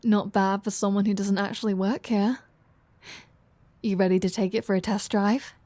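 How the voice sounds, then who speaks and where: A woman's voice: medium pitch, flat delivery, moderate pace, warm tone, dry recording, natural voice. A woman playing a flirty, sardonic, foul-mouthed vampire in an intimate roleplay audio drama. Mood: teasing, casual.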